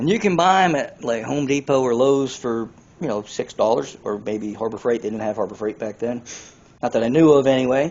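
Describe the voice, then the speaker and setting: In a normal speaking voice, a man talks fairly quickly at a medium pitch with lively intonation. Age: 60s. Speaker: auto mechanic and restorer. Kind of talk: tutorial. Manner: casual, conversational.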